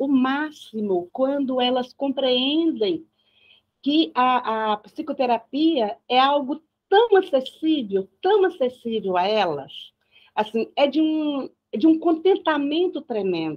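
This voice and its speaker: A woman's high-pitched voice, very slow, with very wide pitch swings. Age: 60s. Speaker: study group participant. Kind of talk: casual group discussion.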